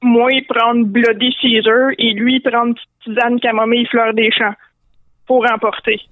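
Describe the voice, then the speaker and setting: Brutish orc henchman, slow and stilted, as a woman puts him on; phone-like sound. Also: a little high, little pitch movement, dry recording, close to an everyday voice. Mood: gruff. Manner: slow, stilted broken French. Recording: dry narrow phone-line sound.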